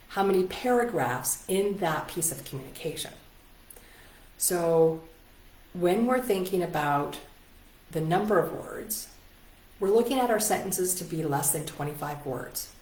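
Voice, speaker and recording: A woman's voice: fairly low pitch, a little mellow. A woman in her forties teaching presentation skills from home in a casual, conversational way, full of rhetorical questions. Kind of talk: casual online teaching talk. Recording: echoey room.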